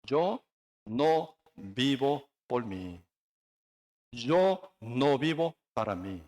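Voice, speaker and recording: A man from Korea preaching a sermon with a Korean accent, non-native and halting in his phrasing, emphatic, with frequent tag questions. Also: medium pitch, big pitch swings, darkish tone. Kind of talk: sermon with personal testimony.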